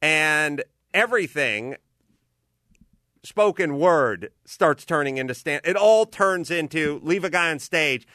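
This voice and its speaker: A man hosting a podcast, chatting casually and rambling through animated stories. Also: fairly high pitch, slow pace, no room sound, clean studio sound. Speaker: podcast host. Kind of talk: casual chat.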